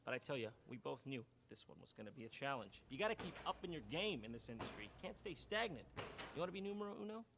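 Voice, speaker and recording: A man narrating a scripted comedy mockumentary in a deadpan, boastful way that swings into loud outbursts. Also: mid-range voice, quick pace, slight background noise. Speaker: comedic host of a mockumentary video. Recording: music bed under the voice.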